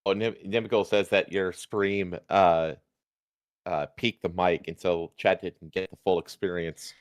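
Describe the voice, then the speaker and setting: A man co-hosting a livestream, chatting casually in an easygoing, halting way. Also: low-pitched, steady tone, smooth, no echo, clean studio sound. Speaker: livestream co-host. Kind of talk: casual chat.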